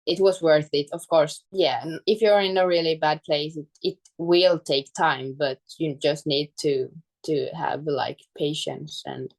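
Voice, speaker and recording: A woman from Finland, a native Swedish speaker with a Finland-Swedish accent, talking casually as an interview guest and searching for words in English. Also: low-pitched. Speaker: guest, fitness coach.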